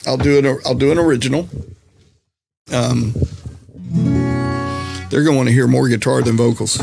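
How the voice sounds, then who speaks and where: A middle-aged man, a musician and comedian, talking candidly on a podcast in a slightly raspy voice, mixing jokes with reflection. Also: medium pitch, fairly even intonation, moderate pace, loud music behind the voice. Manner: candid, reflective, jokey storyteller. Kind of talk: casual conversational interview.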